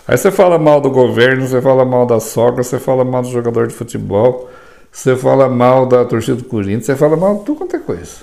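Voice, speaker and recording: Gravelly Brazilian man telling homespun stories. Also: mid-range voice, fast talker. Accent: Brazilian Portuguese. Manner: lively storyteller acting out little dialogues. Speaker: herbalist and spiritual advisor. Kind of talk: casual chat.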